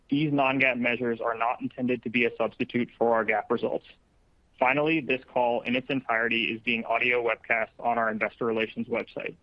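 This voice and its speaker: A man formally reading legal disclaimers at the start of an earnings call, flat and businesslike. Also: medium pitch, dry recording. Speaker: investor relations presenter. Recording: dry, dull lo-fi audio stream.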